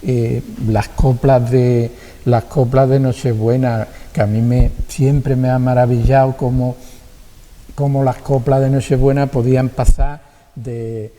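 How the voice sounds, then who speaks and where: A man with an Andalusian accent, a guest speaking thoughtfully and haltingly, often repeating words. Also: mid-range voice, level tone, warm tone, long reverb tail. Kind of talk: reflective conversation.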